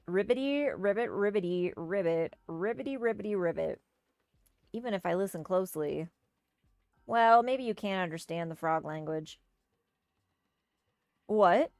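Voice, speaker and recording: A woman streaming a game and reading its dialogue aloud, slipping playfully into goofy high voices for the characters. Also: dry recording. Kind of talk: casual let's-play with read-aloud character voices.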